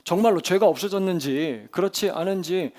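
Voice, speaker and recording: Animated male pastor preaching a sermon. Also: high-pitched, fairly quick. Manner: vivid storytelling, asks the congregation questions, big swings in loudness. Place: church sanctuary during a service.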